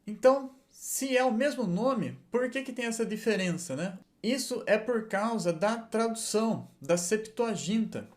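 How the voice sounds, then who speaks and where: A man's voice: high-pitched, animated, measured pace, few pauses. A man giving a patient lesson, explaining step by step and checking in with his listeners often. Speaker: Hebrew and Greek teacher.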